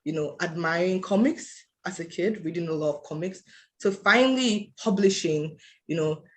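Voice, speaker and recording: An interviewer hosting a casual chat, speaking excitedly with many fillers like you know and like. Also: medium pitch, normal speed. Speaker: interviewer host. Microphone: video call.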